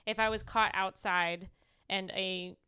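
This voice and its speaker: A young woman co-hosting a casual podcast, talking loosely with lots of fillers and laughing easily. Her voice is smooth and clear. The sound is dry and close. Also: mid-range voice, steady tone, slow, sharp tone, no echo. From United States. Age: 20s. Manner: chatty, many fillers, laughs often. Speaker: podcast co-host. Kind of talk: casual chat.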